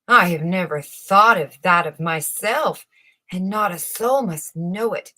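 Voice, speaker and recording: A woman reading a storybook as a flustered old male chamberlain, anxious to please, exclaiming and gushing in drawn-out words. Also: lowish voice, sharp tone. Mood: alarmed, worried.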